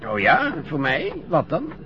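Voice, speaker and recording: An actor playing a frail, grumbling old former sailor who talks hesitantly and teases. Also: male voice, fairly high pitch, wildly swooping pitch, measured pace. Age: older. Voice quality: gravelly, hesitant, teasing. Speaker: elderly former sailor being bathed. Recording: dull lo-fi radio play recording.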